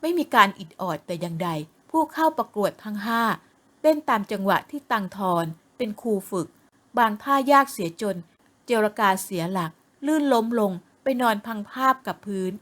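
A woman narrating an audio novel with lively, expressive storytelling. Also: medium pitch, moderate pace.

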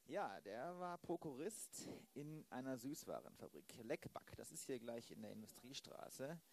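Audio drama inspector, played by a man: world-weary, dry wit, hesitant phrasing, medium pitch. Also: big pitch swings, unhurried, creaky, a little mellow. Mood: businesslike.

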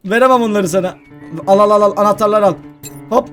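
High, excitable gaming commentator man. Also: fast talker, soft background music. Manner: excitable, shouts and laughs while playing. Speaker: gaming YouTuber. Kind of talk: excited let's-play commentary.

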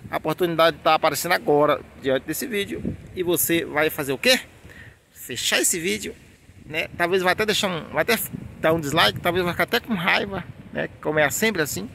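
A man's voice: a little high, vocal fry, fairly bright tone, a little hiss or hum. A man with a Brazilian Portuguese accent, a portrait artist giving an emphatic motivational talk straight to the camera, full of rhetorical questions. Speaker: portrait artist and channel host.

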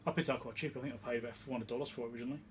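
Working at the bench in his home electronics workshop, a repair video host delivers a casual, tentative, understated demonstration full of rambling. He speaks rapid-fire in a steady, medium-pitched voice, and a little hiss or hum can be heard.

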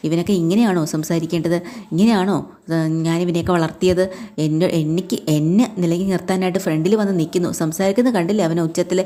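A man's voice: high-pitched, fairly even intonation, quick pace, lightly acted. A woman voicing an angry, domineering older father who scolds his son in a retold family story. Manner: scolding, shouting demands.

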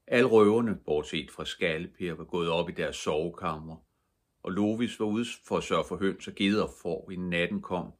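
An older man reading a bedtime storybook aloud with lively expression. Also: low voice.

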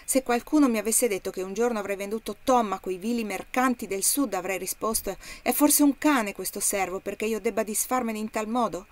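A woman's voice: medium pitch, fairly quick, hardly any pauses, close to an everyday voice. Woman reading as an uneasy plantation owner. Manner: curt, disgusted.

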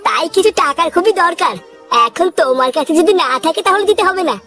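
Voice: extremely high pitch, animated, fast talker, a bit bright, faint music behind. A voice actor playing a jobless young village man in a cartoon, hesitant and stammering. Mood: pleading. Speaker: cartoon character.

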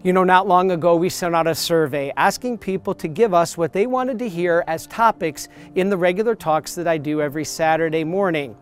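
Earnest priest preaching to camera outdoors. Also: male voice, a little high, brisk, hardly any pauses, smooth. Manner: earnest, emphatic preaching with hand gestures. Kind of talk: promotional sermon to camera. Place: outdoors on church steps.

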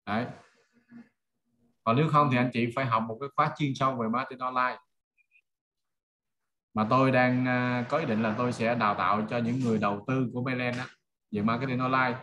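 A man with a Southern Vietnamese accent speaks as an online marketing trainer. His pitch is average and his delivery is informal, built on everyday examples and rhetorical check-in questions. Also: steady tone, fairly quick, long pauses, pushed and bright, a little hiss or hum. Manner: conversational, checks listeners follow with rhetorical questions. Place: indoors on a video call.

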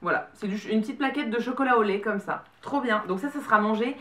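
A young woman speaking with a French accent chats through a casual unboxing. Her voice sits a little high and her delight bubbles up often. She sounds set back from the mic in a roomy space. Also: distant mic. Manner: chatty and excitable, quick bursts of delight. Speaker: beauty vlogger.

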